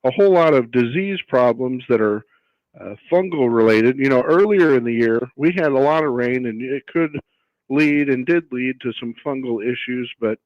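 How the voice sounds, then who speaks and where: Man explaining haltingly, dry dull sound. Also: medium pitch, dry recording. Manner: halting, pausing mid-phrase. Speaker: horticulture educator, radio guest. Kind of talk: explanatory interview talk.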